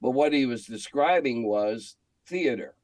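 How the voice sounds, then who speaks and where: An older American man telling stories casually in an interview, candid and halting, often clearing his throat. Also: medium pitch, lively intonation, a little mellow, dry recording. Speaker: interview guest, game industry veteran. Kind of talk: casual reminiscing conversation.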